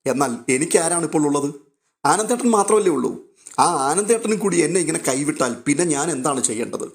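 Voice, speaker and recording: A man's voice: on the high side, lively intonation, fast talker. A man reading a bitter, hurt young wife. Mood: resentful. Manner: accusing, bitter.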